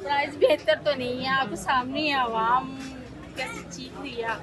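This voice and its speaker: A woman's voice: high voice, steady tone, normal speed, music in the background. A woman shopper at a busy outdoor market, earnestly urging a politician to look after poor people. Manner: earnest, pleading, repeats her point. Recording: noisy crowd behind.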